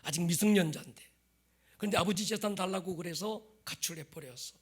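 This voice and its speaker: A middle-aged male pastor preaching a sermon in a church, dropping to hushed whispers and rising to shouts. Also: high voice, a little fast, slightly rough. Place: church sanctuary.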